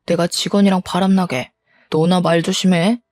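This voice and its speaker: A woman's voice: lowish voice, fairly even intonation, moderate pace, a little mellow, no room sound, close to an everyday voice. Woman playing a scornful cheating husband. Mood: defensive scorn. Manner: dismissive, scolding. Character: cheating middle-aged husband, defensive and blaming.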